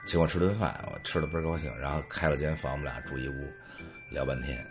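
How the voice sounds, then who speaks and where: A man's voice: rumbling low, fast talker, music in the background. A middle-aged man, hosting and telling humorous anecdotes in a storytelling monologue.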